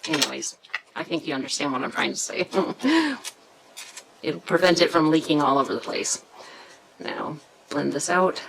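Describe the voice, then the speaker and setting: A woman hosting a casual craft tutorial, chatty and hesitant, often pausing to search for words. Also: low-pitched, lively intonation, gravelly, a bit bright, a little hiss or hum, poor audio. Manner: chatty, self-deprecating about pronunciation.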